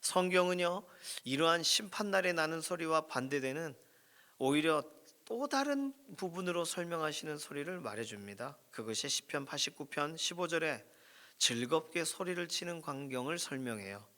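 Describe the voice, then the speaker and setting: A middle-aged man preaching a sermon as pastor, expressive, rising and dropping his voice to near whisper. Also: fairly high pitch, moderate pace. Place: church prayer room.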